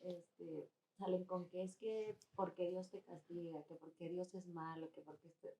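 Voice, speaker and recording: Woman in a class, low voice, mellow tone, casual comments. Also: fairly even intonation, unhurried, roomy sound, low-quality recording. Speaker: class participant.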